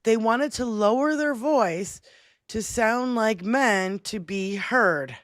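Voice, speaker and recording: A woman co-hosting a casual livestream chat, animated and joking. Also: a little high, takes it slowly, no room sound, studio quality. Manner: animated, mocks valley-girl talk. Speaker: co-host.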